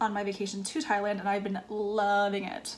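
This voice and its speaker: A woman's voice over light background noise. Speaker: beauty vlogger. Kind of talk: casual vlog chat. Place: home room. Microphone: camera far.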